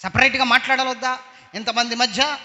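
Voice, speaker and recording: A man's voice: very high voice, steady tone, fairly quick, bright, forceful tone, pitched below the performer's own voice, heavily acted. A man preaching voices an indignant, proud old king who protests and justifies himself. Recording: long hall reverb, dull lo-fi sound.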